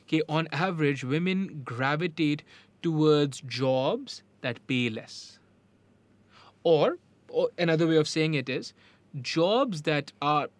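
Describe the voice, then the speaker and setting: A man's voice: fairly high pitch, dry recording. A man with a South Asian accent explaining things casually and didactically, switching between Hindi-Urdu and English and checking in with rhetorical questions. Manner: mixes Hindi-Urdu and English mid-sentence. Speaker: podcast host.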